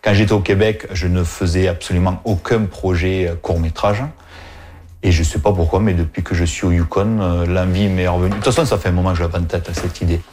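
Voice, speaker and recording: A man with a Toulouse accent speaking in a recorded interview, reflective and unhurried, with fillers. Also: low voice, steady tone, a little mellow. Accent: southern French, Toulouse. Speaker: filmmaker, interviewee.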